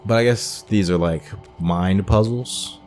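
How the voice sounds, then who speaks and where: A man's voice: fairly low pitch, a little slow, a little mellow, faint music behind. A man hosting a video game playthrough with casual, rambling, musing commentary. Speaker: gaming host. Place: game commentary with game music behind.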